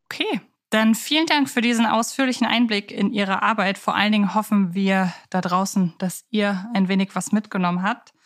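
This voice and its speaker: A woman's voice: medium pitch, moderate pace. A woman hosting a podcast interview in a conversational, wordy way, often searching for her phrasing. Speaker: podcast host.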